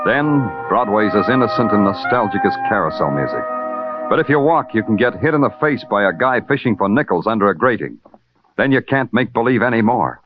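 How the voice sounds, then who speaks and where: A man's voice: on the low side, lively intonation, a little fast, close to an everyday voice. An actor playing a terse, hard-boiled male police detective who also narrates a 1940s radio drama in a brooding way. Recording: muffled old radio recording with loud music.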